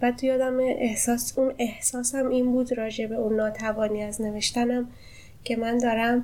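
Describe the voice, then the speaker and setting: Her voice is high for a woman, with a dark, mellow tone, monotone, flat intonation and a moderate pace. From Iran, Rudbar (Gilan). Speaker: graphic designer and poet. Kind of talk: casual interview.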